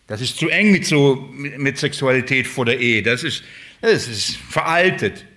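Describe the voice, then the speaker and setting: A man preaching a sermon, emphatic, swinging between loud and hushed, and asking the congregation rhetorical questions. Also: medium pitch, lively intonation, normal speed.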